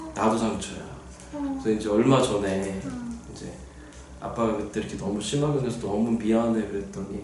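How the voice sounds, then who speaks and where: Amid noticeable background noise and audible room echo, a man talks at a fairly quick pace in a fairly low voice with lively intonation. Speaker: math teacher at a cram school. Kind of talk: casual chat with students in class. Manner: animated storytelling.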